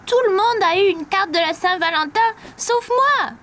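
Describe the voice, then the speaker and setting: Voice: very high voice, moderate pace, a bit bright, slight background noise. A performer playing an earnest preschool boy in a children's cartoon, with simple childlike phrasing. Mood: downcast. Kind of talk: animated children's cartoon dialogue.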